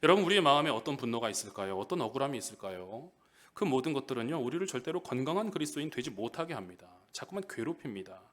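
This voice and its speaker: A middle-aged male pastor giving a sermon in church, lively and direct, often throwing questions to the congregation. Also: medium pitch, fast. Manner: animated, calls out questions to the congregation.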